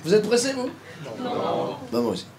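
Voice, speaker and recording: A man's voice: high voice, wildly swooping pitch, normal speed. A man doing live stand-up in a comedy club, playful and teasing, with many fillers, as he banters with the crowd. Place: comedy club stage before an audience. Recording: loud noisy live club recording. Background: audience laughter.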